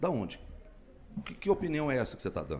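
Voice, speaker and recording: A man is speaking. His voice has vocal fry. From Brazil, Belo Horizonte (Minas Gerais). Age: 50s. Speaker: mayor. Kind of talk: radio interview. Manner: animated, emphatic.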